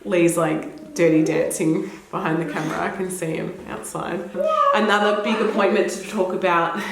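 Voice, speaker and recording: A woman's voice: on the low side, fairly even intonation, normal speed, creaky, over a noisy crowd. Chatty Australian woman in echoey room. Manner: chatty and rambling, laughs often. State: slightly throaty from a cold. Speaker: vlogger. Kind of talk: casual chat to camera.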